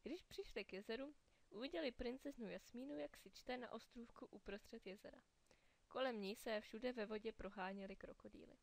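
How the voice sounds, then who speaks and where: A woman narrating a children's fairy tale in a clear, even storytelling manner. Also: a little high.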